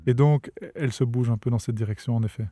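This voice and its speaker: A man's voice: medium pitch, steady tone, fast, mellow, dry recording, clean studio sound. A Belgian man with a Belgian French accent, a startup founder explaining his work in a podcast interview, often repeating words as he thinks.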